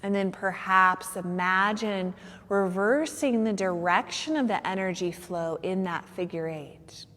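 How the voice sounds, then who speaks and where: A woman guiding a meditation as a yoga nidra teacher, soothing and unhurried, with long pauses between phrases. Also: mid-range voice, a bit bright. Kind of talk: guided meditation. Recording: long reverberant hall-like echo.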